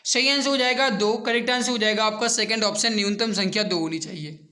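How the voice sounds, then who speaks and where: A man's voice: high-pitched, quick pace, sharp tone. A man teaching an online exam-prep lesson, addressing students directly and repeating questions and answers. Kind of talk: online lesson, working through quiz questions.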